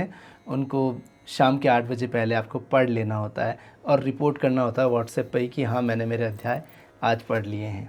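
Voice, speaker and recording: With fairly even intonation, a normal speaking voice proceeds at a moderate pace. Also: man. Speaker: podcast host. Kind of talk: spiritual podcast talk.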